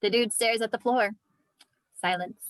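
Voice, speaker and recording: A woman's voice: fairly high pitch, steady tone, unhurried, dry recording. A woman narrating stage directions from a script at a table read.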